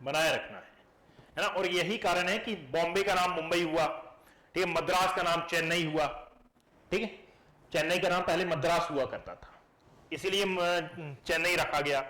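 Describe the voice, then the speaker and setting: A man teaching a live class, keeping it lively and putting questions to his students. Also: fairly high pitch, normal speed. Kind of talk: classroom lecture. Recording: echoey classroom.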